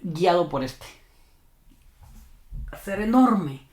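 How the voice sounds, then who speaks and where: A man's voice: sits high, expressive, takes it slowly, slight background noise. A man working as a dog trainer, earnestly explaining advice to a viewer and repeating his key points for emphasis. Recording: roomy echo.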